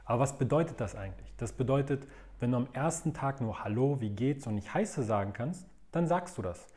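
A man's voice: mid-range voice, dark tone. A man teaching in a video lesson, laying out methods step by step in a methodical, explanatory way. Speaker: language learning coach.

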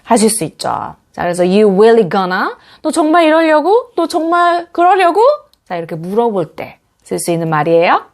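Woman English tutor, fairly high, very animated pitch, slow careful drilling of example phrases. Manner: lively explaining, repeats English example phrases slowly. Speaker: English teacher. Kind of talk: online English lesson.

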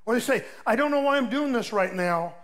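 An older man, a pastor, preaching a sermon in a folksy storytelling way, swinging between loud emphatic peaks and soft asides. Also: very high-pitched, animated, fairly quick.

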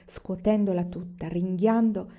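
A woman narrating a novel aloud as an audiobook reader, steady and expressive. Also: lowish voice, unhurried, muffled recording. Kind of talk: scripted narration.

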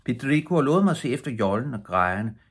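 A grieving, devoted young fishing boy from an audiobook, speaking earnestly and quietly, as a man reads him. The voice sits a little higher than the reader's own, with a husky grain. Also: big pitch swings.

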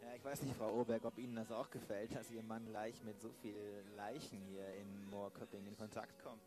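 A man playing a dry, world-weary police inspector with halting, ironic delivery in an improvised audio drama. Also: on the low side, flat delivery, over music, close to an everyday voice. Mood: musing.

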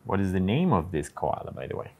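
A man's voice: deep voice, big pitch swings, fast, dark tone. A man casually narrating his drawing steps on a live stream, talking through each step and greeting viewers in chat.

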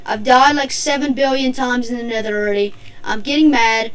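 High-pitched lady yelling and cussing at her game, gameplay commentary. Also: brisk, clean tone. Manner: excitable, swears often, talks to the game. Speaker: gaming channel host.

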